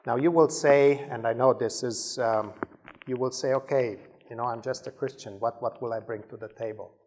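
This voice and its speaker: A man's voice: mid-range voice, steady tone, moderate pace, a little mellow, slight background noise. A man giving a conversational leadership talk to a Christian audience, often stumbling over and repeating words. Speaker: conference speaker.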